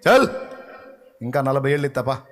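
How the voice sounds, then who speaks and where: A male pastor with a Telugu accent preaching an evangelical sermon, scolding and urging his listeners, swinging between loud outbursts and hushed lines. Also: medium pitch, sing-song, normal speed.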